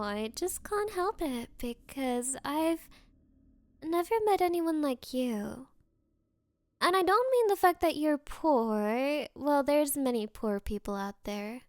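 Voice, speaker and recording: A woman's voice: high-pitched, no echo, full character voice. A young woman voicing a spoiled, possessive rich girl in an anime-style ASMR roleplay, coy and haughty with hesitant, valley-girl phrasing. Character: bratty spoiled rich girl, possessive, smitten but defensive.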